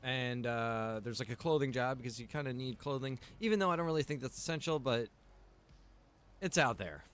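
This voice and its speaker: A man hosting a livestream, chatting casually to viewers in a rambling, halting way with informal asides. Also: mid-range voice, clear, resonant tone. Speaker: livestream host. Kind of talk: casual chat to stream viewers.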